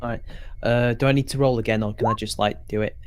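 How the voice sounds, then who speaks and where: A man's voice: mid-range voice, steady tone, fast talker, smooth. A man playing in a tabletop game, chatting casually and asking lots of questions. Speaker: player.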